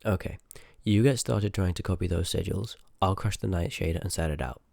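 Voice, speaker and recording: A very low-voiced, gravelly sorcerer, acted by a man, talks straight to the listener in a fantasy audio roleplay. He is rude and curious, full of sarcastic banter and muttered asides. The sound is close and very dry, with no room around it. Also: normal speed, a little mellow, no room sound, exaggerated voice. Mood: casual, focused. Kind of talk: ASMR audio roleplay acting, addressed to the listener.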